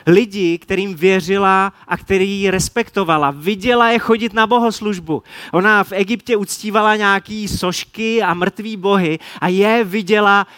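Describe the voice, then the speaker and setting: Czech preacher guy, high voice, really dry sound, acts out the bible quotes. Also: smooth, dry recording. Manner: lively storytelling, acts out quoted dialogue. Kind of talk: sermon.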